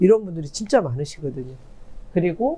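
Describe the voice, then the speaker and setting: The speaker moves at a fairly quick pace with very wide swings in pitch. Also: man. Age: 60s. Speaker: network marketing distributor. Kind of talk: sales seminar talk. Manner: animated.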